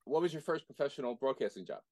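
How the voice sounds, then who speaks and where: A podcast host with a very deep, husky voice asks quick, brisk questions between her guest's stories. She keeps to short prompts and encouraging remarks. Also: animated, darkish tone. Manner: brief encouraging interjections and questions. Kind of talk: interviewing.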